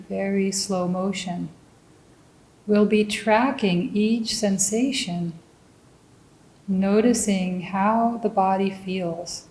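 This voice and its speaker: Her medium-pitched voice mellow and relaxed, a female meditation teacher talks very slowly and gently. She offers brief, deliberate phrases separated by long pauses, and an audible echo fills the roomy recording.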